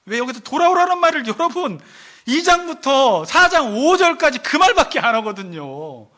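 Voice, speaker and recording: 생기 넘치는 높은 목소리의 남자 설교자. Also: male voice, very high-pitched, normal speed. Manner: animated preaching, acts out quoted voices. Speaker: pastor. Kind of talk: sermon. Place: church sanctuary.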